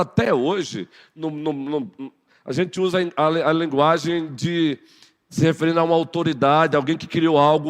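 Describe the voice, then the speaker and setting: A man with a Brazilian Portuguese accent giving a Sunday morning sermon, playfully teasing his congregation. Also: on the high side. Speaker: pastor. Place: church sanctuary. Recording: long church hall reverb.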